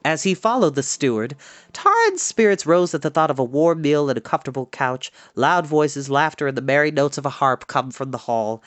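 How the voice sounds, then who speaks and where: A man reading a fantasy novel aloud in an expressive narrating style. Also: on the high side, moderate pace, dry recording. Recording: music behind the voice. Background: background music.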